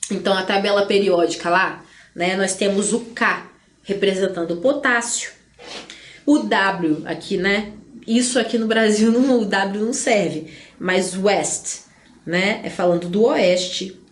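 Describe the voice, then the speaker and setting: A Brazilian woman teaching an online exam-prep lesson. She explains slowly and deliberately, spells words out, and keeps checking in with "né?". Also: mid-range voice. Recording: echoey room.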